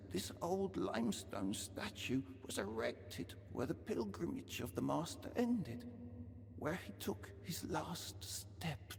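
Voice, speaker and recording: Solemn tormented pilgrim, swooping beseeching speech, big echoey hall, video game. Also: male voice, a little high, creaky, full character voice. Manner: slow, grave, beseeching oratory. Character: anguished penitent male pilgrim, solemn and tormented by guilt. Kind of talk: archaic dramatic video game monologue. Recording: long cavernous hall reverb.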